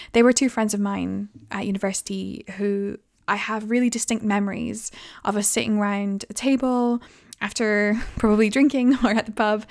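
A young woman from Fife with a softened Scottish accent, hosting a podcast in a conversational style. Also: mid-range voice, no echo, studio quality. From Fife, Scotland. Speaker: podcast host.

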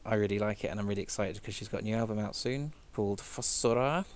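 Enthusiastic low-voiced man. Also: quick pace. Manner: enthusiastic, chatty, laughs easily. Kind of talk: casual chat.

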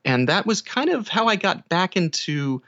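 A man's voice: high-pitched, very animated, moderate pace, bright, forceful tone. A man speaking as an interview guest, an audiobook narrator casually recounting his experiences. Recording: dull, band-limited audio.

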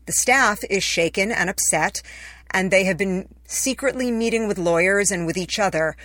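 A woman's voice: mid-range voice, moderate pace, a bit bright, no echo. A woman reading her own written essay in a conversational, personal storytelling manner. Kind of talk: scripted first-person essay narration.

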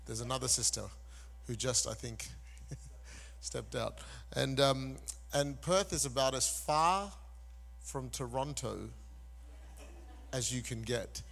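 A man's voice: mid-range voice, fairly bright tone. A middle-aged man from Malaysia preaching as a guest pastor, chatty and self-deprecating with frequent fillers. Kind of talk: sermon with personal story.

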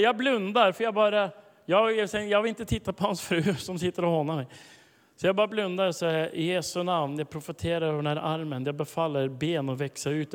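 Preacher, male, high voice, storytelling sermon, long hall reverb. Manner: storytelling with bursts of loud, high emphasis. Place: large hall, preaching to a congregation.

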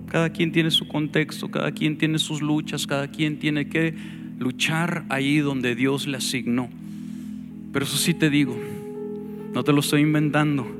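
A man with a Mexican accent preaching a sermon as pastor, fervent and storytelling, with exclamations. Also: on the high side. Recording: sermon with loud music underneath.

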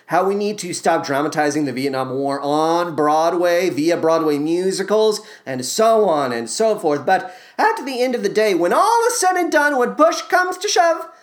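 A man's voice: high-pitched, very animated, moderate pace. A male podcast host ranting sarcastically and with exasperation in a comedic review monologue. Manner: sarcastic, exasperated rants with mock voices.

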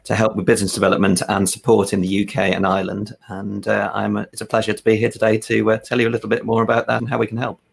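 A man's voice: lowish voice, level tone, quick pace, creaky, hardly any pauses, breathy edge. A man chatting casually as a guest, with an informal, self-deprecating manner. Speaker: business development guest. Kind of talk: casual chat.

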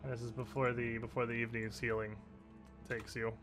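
A man narrating a tabletop role-playing game as game master, telling it deliberately and with suspenseful pauses. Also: mid-range voice, little pitch movement, fairly bright tone, faint music behind.

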